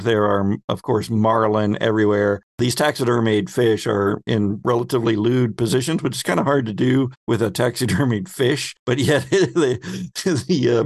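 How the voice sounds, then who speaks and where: A man's voice: medium pitch, vocal fry, dry recording. A man narrating a tabletop roleplaying game as game master, describing scenes in a wry, conversational way.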